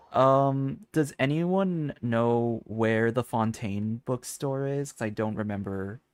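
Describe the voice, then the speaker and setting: Man, game streamer, excitable exclamations, chatty live commentary, mid-pitched voice, faint music behind. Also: no room sound. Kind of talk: live gameplay commentary, reading dialogue aloud.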